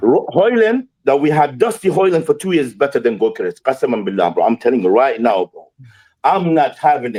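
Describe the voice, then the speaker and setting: At a fairly quick pace, a man with an Arabic accent speaks in a very clean recording with a silent background. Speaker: football podcast panelist. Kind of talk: heated debate. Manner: animated.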